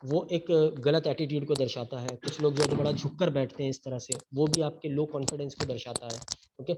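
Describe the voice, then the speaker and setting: A man's voice: fairly high pitch, steady tone, fairly quick, noisy background. A man giving an online training lecture, mixing Hindi and English and often checking in with "okay?". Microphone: webinar computer mic. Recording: dull lo-fi webinar audio.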